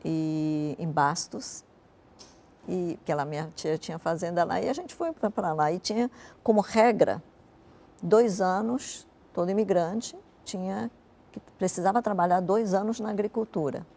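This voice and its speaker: A woman's voice: lowish voice, unhurried, creaky, mellow. An older woman who grew up in Japan and speaks natively, recalling her life in a reflective, conversational way during an interview. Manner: reflective storytelling, frequent "né" tags. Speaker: interview guest, businesswoman.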